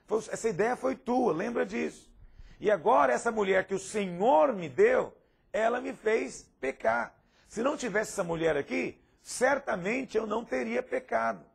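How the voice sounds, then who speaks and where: A man's voice: high-pitched, expressive, normal speed, vocal fry, breathy edge, voice pushed up, full character voice. A man voicing a complaining man who blames God for his own wrongdoing. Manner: complaining, self-justifying.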